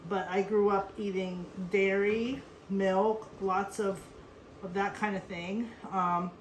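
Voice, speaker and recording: A woman born in South Korea and raised in Western Pennsylvania, hosting a casual cooking show from her kitchen in a chatty, rambling way. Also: medium pitch. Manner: chatty, rambling, addresses viewers as folks. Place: home kitchen. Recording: echoey room, faint noise.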